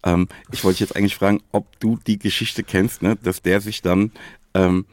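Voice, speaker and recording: Man, fairly low voice, dry studio-like sound, casual colloquial podcast chat, frequent tag questions. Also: level tone, normal speed, darkish tone, dry recording. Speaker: podcast co-host.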